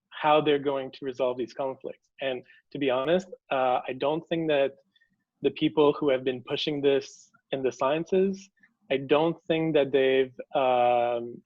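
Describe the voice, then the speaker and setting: A man answering as an interview guest, talking hesitantly and with care, often pausing and restarting. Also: medium pitch, dry recording, muffled recording. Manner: hesitant, many fillers and restarts, measured. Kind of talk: conversational interview.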